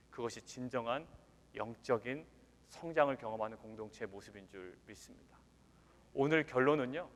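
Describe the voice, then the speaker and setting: A male pastor giving a weekday sermon, animated, swinging from loud emphasis to near-whispers and asking his congregation questions. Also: mid-range voice. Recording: long hall reverb.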